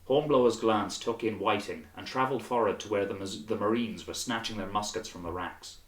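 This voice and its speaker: A man's voice: fairly low pitch, fairly quick. A man reading a novel aloud as scripted audiobook narration. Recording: roomy, reverberant sound.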